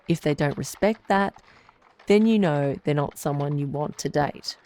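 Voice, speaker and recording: A woman playing a calm, supportive radio advice doctor, speaking in a deliberate, reassuring way. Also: deep voice. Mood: measured, supportive. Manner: reassuring, deliberate, clearly phrased. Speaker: radio call-in show host. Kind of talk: radio advice show, measured delivery.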